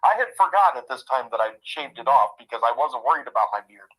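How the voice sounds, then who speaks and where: A man of fifty telling a heartfelt personal story in a halting way, often repeating himself. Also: mid-range voice, animated, fairly bright tone, husky, low-quality recording. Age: 50s. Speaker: guest.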